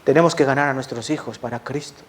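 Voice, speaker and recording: A man's voice: mid-range voice, fast talker. A man with a Spanish accent from Spain preaching a sermon as a pastor, passionate, asking the congregation questions and answering them himself.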